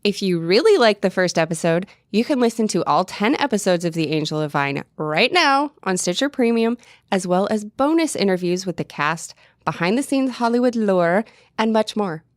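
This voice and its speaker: A woman's voice: mid-range voice, lively intonation, moderate pace, dry recording, clean studio sound. A woman hosting a podcast, giving a chatty, upbeat promotional read. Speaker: podcast host.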